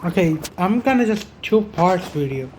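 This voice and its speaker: A woman making a loud, offhand aside while playing a game. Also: on the low side, animated, normal speed, slight background noise. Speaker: gaming channel host. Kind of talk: casual aside to viewers.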